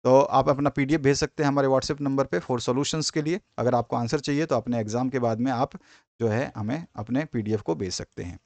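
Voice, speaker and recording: A man of ordinary pitch runs through exam questions in a patient revision lesson. He works through each answer step by step, repeats the points that matter and pauses on fillers as he goes. The sound is dry and close, with no room around it. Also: gravelly, a little mellow, no room sound. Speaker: exam prep teacher.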